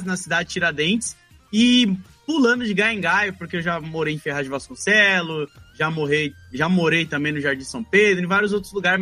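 Bright-voiced paulistano man in his thirties. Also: high voice. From Brazil. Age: 30s. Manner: relaxed, conversational storytelling. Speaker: podcast guest. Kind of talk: casual interview chat.

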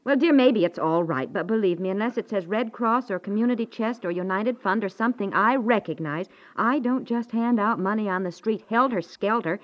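A woman's voice: medium pitch, fairly quick, hardly any pauses, natural voice. An American woman playing a sweet but nagging wife in a naturalistic 1950s radio comedy, coaxing and hesitant, full of endearments. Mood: annoyed, reproachful. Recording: dull vintage 1950s radio recording.

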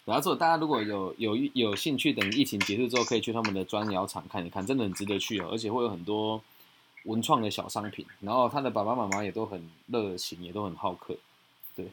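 A man's voice: fairly low pitch, noisy background. A man hosting a podcast, giving frank, teasing advice in a casual chat. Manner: frank, teasing, fast and animated. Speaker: podcast host and mentor.

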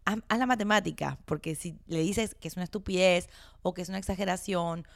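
A woman co-hosting a casual chat with her partner, candid and expressive, laughing easily. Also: lowish voice, a little fast, gravelly, dry recording, studio quality. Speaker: co-host.

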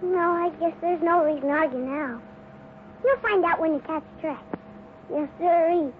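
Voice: extremely high pitch, moderate pace, slight background noise. A young performer playing an eager, plucky cowboy boy with an American accent in a 1950s radio serial. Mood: troubled. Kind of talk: 1950s juvenile radio acting. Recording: muffled old radio recording.

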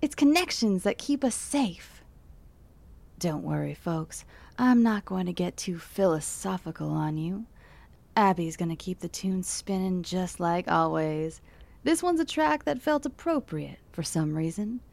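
A woman's voice: lowish voice, expressive, measured pace, gravelly, darkish tone. An actress playing a friendly late-night radio DJ who talks in a chatty, intimate way to her listeners. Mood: warm.

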